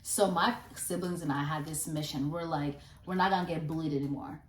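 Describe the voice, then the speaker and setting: A woman with a Kenyan-American accent who grew up partly in Kenya, chatting casually and low-key, often repeating her own phrases. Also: steady tone, fairly quick. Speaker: guest. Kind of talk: casual chat. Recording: echoey room, faint noise.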